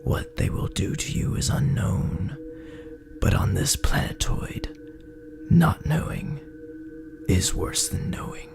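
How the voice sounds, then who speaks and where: Deep gravelly man, breathy near-whispers, slow ominous horror narration, dramatic drawn-out phrasing, music behind. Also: very animated. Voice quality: gravelly, breathy, often dropping toward a whisper. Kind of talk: scripted dramatic sci-fi horror story narration in second person.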